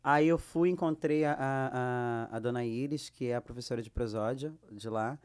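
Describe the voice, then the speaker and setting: A Brazilian woman with a Brazilian Portuguese accent, a guest actress telling lively anecdotes and acting out the dialogue she quotes. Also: very deep voice, normal speed. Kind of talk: casual storytelling.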